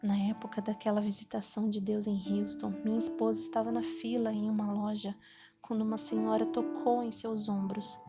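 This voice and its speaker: A woman with a Brazilian Portuguese accent reading a Christian devotional audiobook in an earnest, steady way. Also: mid-range voice, moderate pace. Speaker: audiobook narrator. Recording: reading over clear background music. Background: music.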